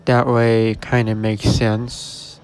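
A man talks chattily into a handheld phone camera while walking outside a shopping-center storefront. His voice sits at an ordinary middle pitch, and he addresses viewers plainly. Faint traffic hums in the background. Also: completely flat delivery, slow, darkish tone. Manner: chatty, matter-of-fact, addresses viewers directly. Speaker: vlogger exploring closed stores. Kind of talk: casual walkthrough commentary. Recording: faint outdoor traffic noise.

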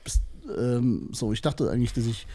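A man's voice: medium pitch, fairly even intonation, normal speed, dark tone. A man from southern Thuringia with a slight East German accent, a comedian guest joking and laughing often in casual podcast chat in a small studio. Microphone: desk mic with headphones.

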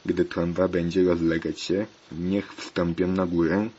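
A man voicing a solemn lawyer who recites commandments slowly, on a dull lo-fi recording with faint hiss. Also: deep voice, flat delivery, a little mellow. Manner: slow, preachy delivery.

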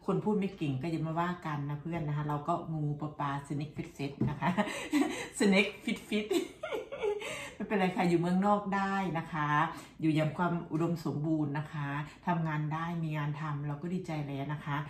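A woman's voice: low-pitched, fairly quick, few pauses, darkish tone, roomy sound. A middle-aged woman from Thailand, chatting and laughing while cooking breakfast at home for her vlog. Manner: chatty and laughing, constant polite tag words. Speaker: cooking vlogger. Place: home kitchen, indoors.

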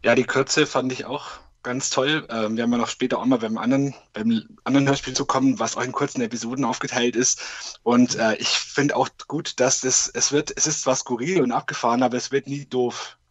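A man's voice: medium pitch, steady tone, brisk, no room sound. A man giving his opinions in a casual podcast chat as a panelist. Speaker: podcast panelist reviewing audio dramas.

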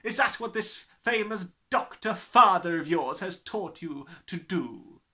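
A man voicing a huge, bullying headmistress, bellowing with scornful, drawn-out menace in a storybook reading. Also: high voice, expressive, sharp tone, pitched above the performer's own voice, heavily acted. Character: huge, bullying, furious tyrant headmistress, adult woman.

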